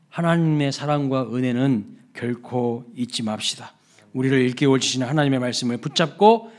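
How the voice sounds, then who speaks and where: A pastor delivers a Sunday sermon in a church sanctuary, his voice a little high for a man. He preaches emphatically, dropping suddenly soft before rising again to act out exclamations.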